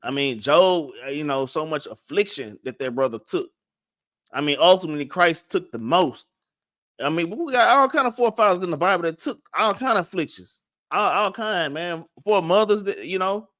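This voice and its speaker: A man's voice: fairly high pitch, expressive, moderate pace, a bit bright, dry recording, studio quality. A man with a Southern US accent teaching a casual Bible class, stuttering and restarting often and tagging "man" and "all right?" onto his lines. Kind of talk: casual scripture lesson.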